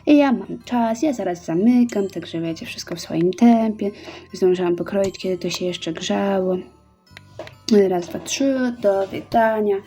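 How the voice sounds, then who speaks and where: Mellow-voiced woman chatting through a game. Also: mid-range voice, unhurried, soft background music. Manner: chatty, reads orders aloud and counts out steps. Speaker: gaming YouTuber. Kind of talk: casual let's-play commentary.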